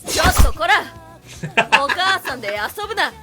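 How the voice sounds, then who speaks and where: A woman's voice: sits high, big pitch swings, very slow, bright, forceful tone, soft background music, heavily acted. A woman voicing a brash, scolding yet caring yakuza mother in an anime-style video game. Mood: scolding, annoyed. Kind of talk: Japanese game character voice lines.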